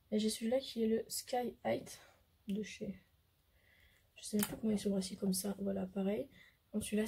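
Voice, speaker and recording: Hoarse French woman, beauty vlogger, casual hesitant chat to camera, mid-pitched, faint hiss behind. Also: warm tone. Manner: chatty, hesitant, many fillers. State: hoarse, losing her voice.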